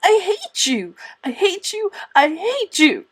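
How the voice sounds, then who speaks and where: A woman's voice: extremely high pitch, huge pitch swings, slow, voice pushed up, full character voice. A woman voicing a furious, indignant eleven-year-old orphan girl in a storybook, in emphatic outbursts. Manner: emphatic, exclamatory, shouting outbursts.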